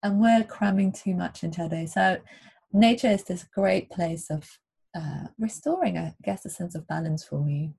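A woman from Germany, a guest on a video call, talking in a thoughtful, hesitant way with many pauses. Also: lowish voice, creaky, mellow, husky. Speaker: interview guest. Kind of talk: casual chat. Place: home on a small island.

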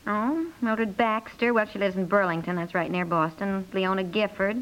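A woman's voice: mid-range voice, steady tone, moderate pace, fairly bright tone, natural voice. A woman with an American accent playing a busy, chatty, easily flustered housewife in a 1950s radio domestic comedy. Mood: busy, musing. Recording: dull 1950s radio recording.

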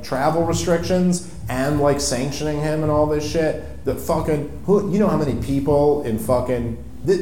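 A man's voice: on the high side, mellow. A man hosting a live political comedy show, talking casually and emphatically with frequent profanity over a venue PA. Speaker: podcast host. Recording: echoey live venue PA, faint noise.

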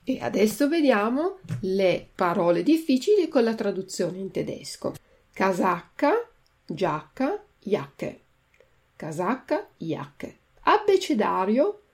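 A woman teacher reading a storybook aloud for language learners. She goes slowly and carefully over each word, and her voice has a gravelly, creaky texture. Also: medium pitch, a little mellow. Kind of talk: storybook reading and vocabulary lesson.

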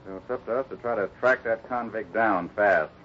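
Muffled radio actor as steady cowboy boss. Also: male voice, fairly low pitch, moderate pace, lightly acted. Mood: businesslike. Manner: firm, plain-spoken, takes charge. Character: steady, commanding cowboy ranch boss, fatherly. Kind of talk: 1950s radio serial acting. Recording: muffled, noisy old radio recording.

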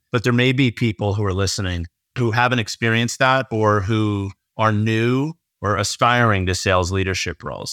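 Bright, dry-sounding eager male host. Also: lowish voice, no echo. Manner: eager, long wordy questions. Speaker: podcast host. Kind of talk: hosting an interview.

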